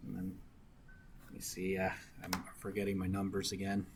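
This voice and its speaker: A man's voice: deep voice, monotone, moderate pace, noisy background. A young man working circuit homework problems for a class, often asking "right?" to check that students follow. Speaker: engineering discussion instructor.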